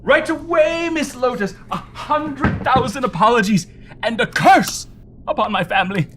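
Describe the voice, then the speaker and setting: A woman's voice: fairly high pitch, lively intonation, unhurried, background noise. A woman playing a servile, over-apologetic henchman in a comedy drama. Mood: grovelling. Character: grovelling, servile henchman to a villainess.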